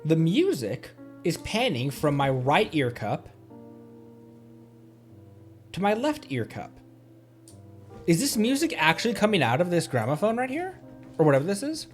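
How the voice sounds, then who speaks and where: A man's voice: fairly high pitch, huge pitch swings, a little slow, long pauses, soft background music. A man casually commenting as he livestreams a video game, musing aloud to himself.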